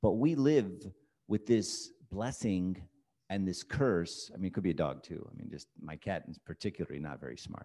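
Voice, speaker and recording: The man's dark, mellow tone sits at a fairly low pitch, with vocal fry and very wide pitch swings. His loudness swings widely as he goes at a moderate pace. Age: 50s. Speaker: church deacon. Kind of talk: sermon. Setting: church. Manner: conversational.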